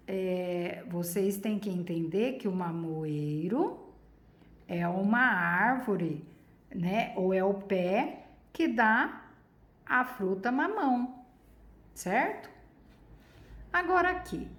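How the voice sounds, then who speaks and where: In an echoey room, a Brazilian woman with a mid-range voice and a Brazilian Portuguese accent teaches a primary school lesson. She patiently asks questions and stretches out key words in this recorded lesson for children.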